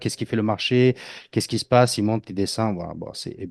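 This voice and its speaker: A man with a normal speaking voice and medium pitch talks at a fairly quick pace, with a dry, close sound with no echo and a quiet background. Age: 40s. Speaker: scalp trader. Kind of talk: interview conversation.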